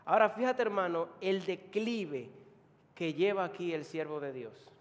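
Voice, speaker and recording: A man with a Dominican accent preaching an emphatic sermon in a church, moving between quiet and loud. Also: high-pitched, a little slow, big-room sound. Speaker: pastor.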